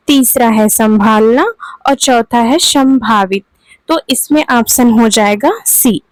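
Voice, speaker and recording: Woman teacher, slow and deliberate, higher voice, dry close mic, exam-prep lesson. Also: no room sound, rough recording. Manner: slow, repeats "ठीक है दोस्तों" between points.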